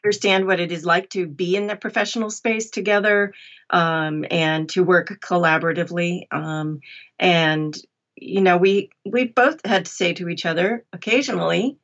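A woman's voice: fairly low pitch, normal speed, a bit bright, lo-fi sound. A woman who narrates audiobooks, chatting casually as a podcast guest. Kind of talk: casual conversation.

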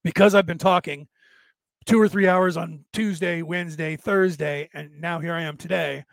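Raspy, higher-pitched man, voice worn out. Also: steady tone, normal speed, no room sound. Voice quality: raspy, damaged-sounding voice from long-standing vocal cord trouble. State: vocal cords tired and worn out from talking. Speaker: host of a spiritual talk livestream. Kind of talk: rambling casual livestream monologue, reading listener comments.

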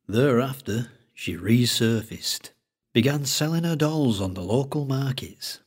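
Man doing older Lancashire collector, thick accent, husky, droning yarn-spinner. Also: medium pitch, expressive, voice pushed up. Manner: slow, droning, storytelling. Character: gruff older male Lancashire collector keeper.

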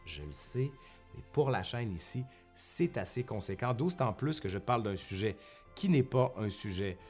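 A man's voice: fairly low pitch, very animated, normal speed, a little mellow, faint music behind. A man with a Québécois French accent talking casually to his viewers like a professor turned vlogger, chatty and often correcting himself. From Quebec, Canada. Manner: chatty, self-correcting, with colloquial asides. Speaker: history YouTuber and university professor. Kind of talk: casual vlog monologue to viewers. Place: at home in front of a bookshelf.

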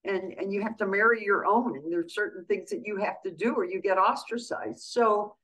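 An older woman who grew up speaking Greek tells her stories as a radio interview guest. She talks in a lively, animated way and acts out the conversations she quotes. Her pitch sits in the middle for a woman. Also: moderate pace, poor audio. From USA. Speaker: guest, county treasurer.

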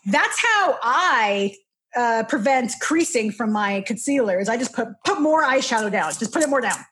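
A woman's voice: on the high side, lively intonation, normal speed, fairly bright tone. A woman in her twenties, a podcast guest chatting casually, rambling and interrupting herself. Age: 20s. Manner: rambling, self-interrupting, laughing. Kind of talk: casual chat.

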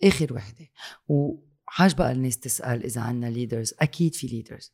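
A man speaks Arabic-accented Lebanese dialect in a conversational, political register. His pitch sits in an ordinary middle range, and he drives points home by repeating phrases and posing rhetorical questions, slipping in French and English words. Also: fairly quick, a little mellow.

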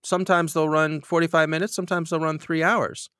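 A man hosting a podcast, chatting with self-deprecating humor and getting animated when he tells stories, with a slightly nasal voice. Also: on the high side, fairly quick, clear, resonant tone, no echo, clean studio sound. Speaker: podcast host. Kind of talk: conversational interview answers.

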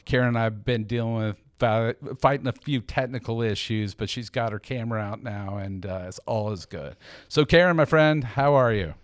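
A man's voice: mid-range voice, normal speed, few pauses, no room sound. A man hosting an interview show, chatting in an upbeat, joking way. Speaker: podcast host. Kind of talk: casual interview chat.

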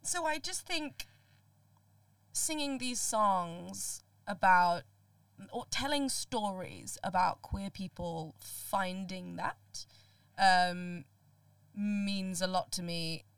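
A woman's voice: mid-range voice, drawn-out words, vocal fry, a bit bright, clean tone, no room sound, distant mic. A young woman from Sri Lanka, a podcast guest talking openly and animatedly, laughing often and restarting her words. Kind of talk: casual podcast conversation.

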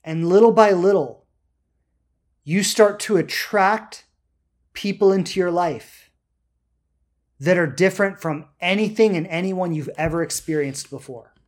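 A spiritual self-help coach giving an unscripted motivational talk, speaking emphatically and deliberately, drawing out key words and checking in with rhetorical questions. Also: mid-range voice, a little mellow.

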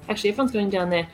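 A woman's voice: medium pitch, a little mellow. A woman talking casually as a tabletop game player, thinking aloud as she decides her moves. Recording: music underneath.

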